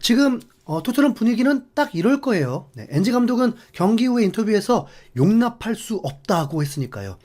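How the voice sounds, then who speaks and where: A man hosting a football channel, narrating a scripted match commentary with many fillers. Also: high voice. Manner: animated, filler-heavy explanatory talk. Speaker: sports channel host.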